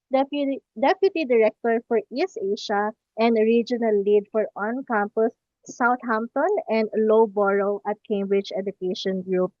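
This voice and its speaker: A woman hosting an online webinar in a polite, formal manner. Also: fairly high pitch. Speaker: webinar host. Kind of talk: formal webinar introduction and chat. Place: indoors on an online video call. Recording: muffled, roomy online call audio.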